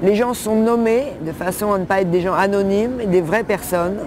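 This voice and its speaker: A woman talks at a moderate speed with a fairly high pitch. Her pitch varies in an ordinary way over noticeable background noise. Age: 60s. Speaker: photographer. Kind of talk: interview. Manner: halting.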